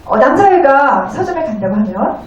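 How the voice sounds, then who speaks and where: A woman interpreting a lecture phrase by phrase in a polite, formal, somewhat halting way. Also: high-pitched, very animated, highs cut off, a little hiss or hum. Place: echoey indoor venue. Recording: very echoey, distant room.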